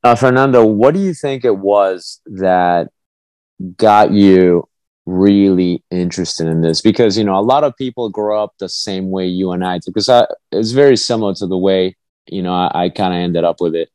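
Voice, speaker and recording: A man's voice: sits low, moderate pace, a little mellow, no room sound. A man who grew up in South America, hosting an interview and asking loose, filler-heavy questions. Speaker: podcast host.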